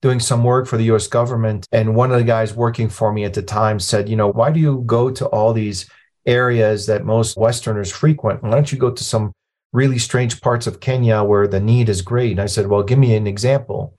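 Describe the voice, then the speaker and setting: A low-voiced man in his fifties, originally from Lebanon, speaking as a guest on a podcast. He tells his story in a plainspoken, matter-of-fact way, with the steady directness of a retired officer. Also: brisk. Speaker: nonprofit president, guest. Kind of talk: conversational storytelling interview.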